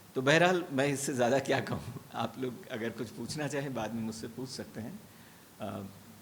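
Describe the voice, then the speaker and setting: A man talks with ordinary pitch variation. There is audible room echo and noticeable background noise. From India, Kolkata. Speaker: poet and science teacher. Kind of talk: informal address to audience. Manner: halting, many fillers.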